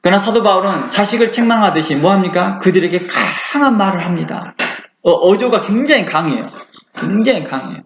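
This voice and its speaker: A man's voice: high voice, lively intonation, a little fast. A man preaching a sermon as a pastor, in an earnest, conversational way and with many rhetorical questions. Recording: echoey room, dull lo-fi sound with faint noise.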